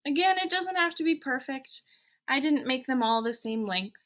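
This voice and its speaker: Thinking aloud as she goes, a schoolteacher gives children simple, encouraging steps for a drawing lesson. She teaches elementary school, and her animated voice sits high, with a fairly bright tone and normal speed.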